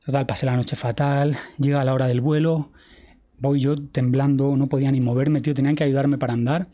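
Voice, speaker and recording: Man telling a story, mellow tone. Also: mid-range voice, flat delivery, fairly quick. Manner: vivid retelling, acts out quoted dialogue, swears casually. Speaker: podcast guest, traveler. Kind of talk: casual storytelling interview.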